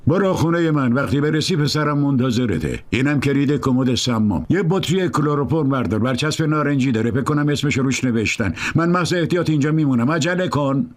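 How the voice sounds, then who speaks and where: A man voicing a calm middle-aged doctor who speaks in measured, reassuring instructions. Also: medium pitch, pitched above the performer's own voice, lightly acted. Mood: urgent.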